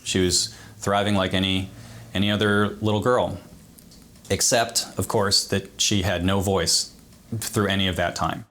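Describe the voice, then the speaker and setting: Deep-voiced male doctor explaining. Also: flat delivery, a little slow, pauses often, a bit bright. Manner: explanatory, plain-spoken. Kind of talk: interview explanation.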